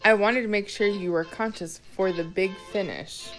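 A woman's voice: medium pitch, normal speed, soft background music, natural voice. A woman playing a cold, vengeful vampire hunter in an audio horror story, formal and menacing. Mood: cold menace.

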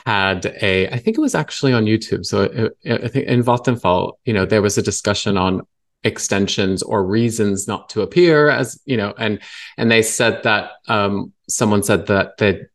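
A man's voice: lowish voice, normal speed. A man hosting a legal podcast, talking in a thoughtful, hesitant way that trails off and restarts. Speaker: podcast host. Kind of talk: casual professional chat.

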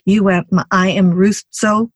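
A woman's voice: mid-range voice, steady tone, measured pace, breathy edge, no echo, studio quality. A woman hosting a podcast interview, asking chatty questions with many fillers. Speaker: podcast host. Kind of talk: conversational interview.

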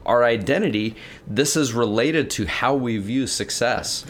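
A man co-hosting a casual faith podcast, telling Bible stories and acting out the quotes with lively energy. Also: mid-range voice, a little slow. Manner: animated storyteller, acts out quotes. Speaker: podcast co-host.

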